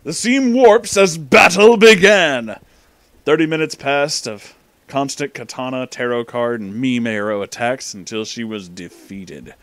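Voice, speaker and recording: A man's voice: mid-range voice, measured pace, fairly bright tone, dry recording. A man narrating a comic story aloud in a dramatic reading style, as the show's reader.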